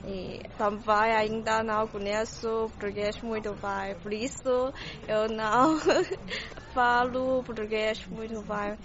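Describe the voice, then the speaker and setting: Shy, slow young student woman. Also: a little high, fairly even intonation, a crowd in the background. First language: Chinese. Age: young adult. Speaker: first-year student, band member. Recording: dull muffled audio.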